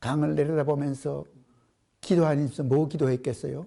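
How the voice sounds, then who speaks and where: With a dark, mellow tone and a fairly high pitch, a man speaks at a moderate pace using fairly even intonation. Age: 80s. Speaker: church elder. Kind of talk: oral history interview.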